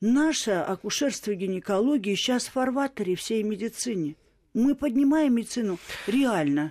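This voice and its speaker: A plain, everyday voice at a fairly slow pace with lively intonation. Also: woman, fairly high pitch for a woman. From Georgia, Tbilisi. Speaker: obstetrician-gynecologist, academic. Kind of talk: radio interview. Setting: studio.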